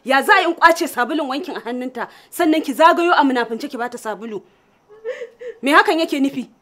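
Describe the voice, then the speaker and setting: High-voiced scolding Hausa housewife. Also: female voice, fast, a bit bright. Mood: indignant. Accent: Nigerian Hausa. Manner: accusing, scolding. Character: indignant, domineering senior wife in a household. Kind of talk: TV drama acting. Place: open concrete courtyard.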